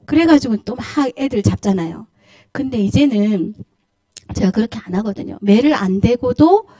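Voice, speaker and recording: Lively, animated Korean woman preaching. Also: on the high side, no room sound. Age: middle-aged. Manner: animated, acts out scolding quotes, laughs often. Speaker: pastor's wife preaching. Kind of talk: lively Friday service sermon. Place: church sanctuary.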